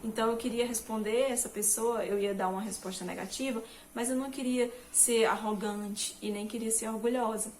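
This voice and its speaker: Woman, devotional speaker, slightly high pitch, gentle and reflective delivery, faint background hiss. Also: steady tone, brisk, few pauses. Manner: gentle, reflective, with many fillers and rephrasings. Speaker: Christian motivational speaker. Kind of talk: devotional talk.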